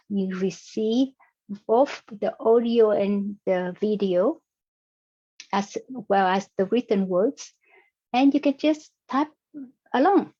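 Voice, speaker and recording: Slow-spoken woman. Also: on the high side, warm tone. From Vietnam. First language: Vietnamese. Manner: slow and careful, explaining step by step. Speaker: EFT practitioner. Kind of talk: online workshop presentation. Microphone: video call. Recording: dull lo-fi video call audio.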